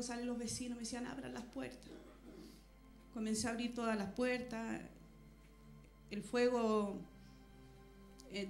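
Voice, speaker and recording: A woman quietly and earnestly recounts her experience at a church meeting. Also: a little high. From Chile. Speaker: church member giving testimony. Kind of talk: personal church testimony.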